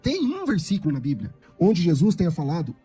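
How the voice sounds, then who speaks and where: A man's voice: a little high, wildly swooping pitch, fairly quick, mellow, soft background music. A Brazilian man, a pastor, arguing a point of scripture in a radio debate, emphatic and repeating himself as he builds his case. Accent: Brazilian Portuguese.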